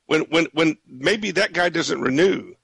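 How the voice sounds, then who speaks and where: A man with a raspy voice hosting a casual radio talk show in a folksy way, often stumbling over and repeating words. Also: on the high side, a little slow, a bit bright, no echo, studio quality.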